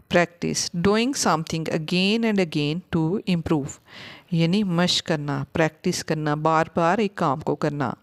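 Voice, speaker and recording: Woman, English teacher, slow vocabulary drills, low voice. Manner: repeats words slowly for learners. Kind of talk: vocabulary lesson.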